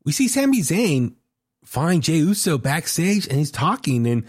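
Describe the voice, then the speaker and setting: A man's voice: on the high side, very animated, a little slow, a little mellow, husky. A man in casual podcast chat, recapping storylines and asking his co-host questions.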